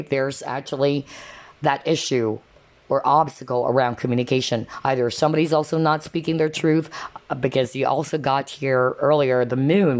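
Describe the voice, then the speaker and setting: Tarot reader, mid-pitched voice, casual intuitive reading, conversational, frequent check-ins with the listener.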